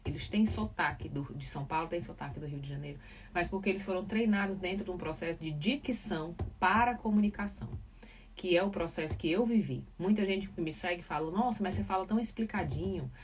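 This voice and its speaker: Low-voiced Cearense woman explaining on a podcast. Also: a little fast, far from the mic, slight background noise. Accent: Cearense Brazilian Portuguese. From Ceará, Brazil. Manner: carefully articulated, trained diction, explaining patiently. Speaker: journalist, podcast guest speaker.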